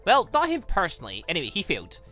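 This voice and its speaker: A man's voice: high voice, huge pitch swings, fast talker, sharp tone, soft background music, heavily acted. A man voicing a frank, questioning girl, an artificially created being, in a visual novel. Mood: matter-of-fact. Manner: frank, matter-of-fact, questioning. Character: blunt, curious artificially created girl who loves sweets. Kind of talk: visual novel character reading.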